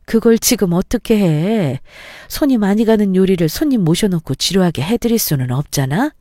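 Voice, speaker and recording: A proud, prickly middle-aged mother-in-law who answers slowly and grudgingly, voiced by a woman narrator. Her tone is mellow and warm, and the recording is dry and close. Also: medium pitch, expressive, dry recording, close to an everyday voice.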